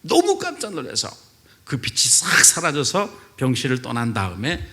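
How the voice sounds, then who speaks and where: A male pastor delivering a sermon, telling a story with animated swings between hushed and loud delivery and acting out the quoted voices. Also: medium pitch, normal speed, very noisy.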